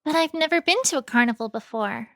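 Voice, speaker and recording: A woman playing an eager, bookish and excitable young female character in a fan-made audio drama. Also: sits high, quick pace, vocal fry, no room sound, studio quality, full character voice. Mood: eager, curious.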